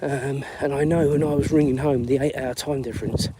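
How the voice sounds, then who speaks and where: A man in his forties from the London area with an English accent and a raspy voice, hosting a live chat while walking his dog outdoors and breaking off to call her along. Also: mid-range voice, steady tone, a little fast, dark tone, low-quality recording. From England. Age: 40s. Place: outdoors on a windy street. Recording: windy outdoor phone recording. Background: wind noise.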